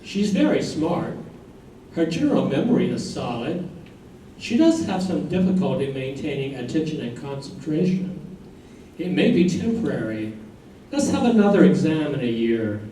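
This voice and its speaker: A man's voice: fairly high pitch, very animated, moderate pace, warm tone, slight background noise. A man playing an earnest narrator in a staged reading of a play. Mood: matter-of-fact. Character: earnest storytelling narrator of a couple's life. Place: live staged reading in a room. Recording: very echoey room from a distance.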